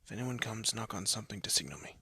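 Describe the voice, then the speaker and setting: A man playing a haughty but secretly soft young elf prince in a scripted roleplay audio drama, with a pompous, formal manner and a breathy, often hushed voice. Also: fairly low pitch, animated, fast talker, no room sound, studio quality, full character voice. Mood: urgent, curt. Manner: pompous, formal, flustered stammering.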